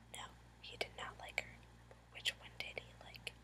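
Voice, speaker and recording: A woman whispers. Her pace is fairly slow. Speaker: story reader. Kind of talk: storytelling read-aloud. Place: home room. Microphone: webcam.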